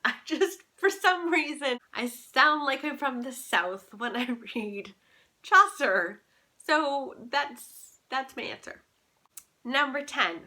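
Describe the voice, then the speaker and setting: A young woman speaks in a very bright, forward voice at a middle pitch. She chats casually like an online book reviewer, stressing her opinions in an animated, talkative way. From Canada. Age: young adult. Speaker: book vlogger. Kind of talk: casual chat to camera, book recommendations.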